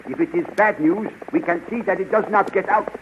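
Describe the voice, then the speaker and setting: High-voiced kindly older scientist played by a man. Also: a little fast, natural voice. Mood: agreeable. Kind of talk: 1930s radio serial acting. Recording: noisy, muffled 1935 radio recording.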